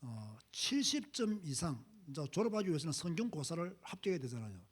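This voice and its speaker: Husky, animated preaching man. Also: fairly quick. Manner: emphatic, swings from low asides to loud exhortation. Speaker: pastor. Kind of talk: sermon.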